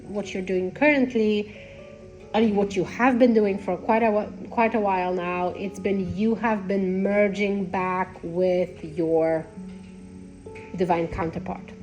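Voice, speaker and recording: A woman with a congested, nasal voice giving unscripted spiritual talk to followers in a halting, rambling way. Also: medium pitch, fairly even intonation, a little mellow, faint music behind, rough recording. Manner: halting, rambling, repeats phrases. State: congested with a cold. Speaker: spiritual content creator.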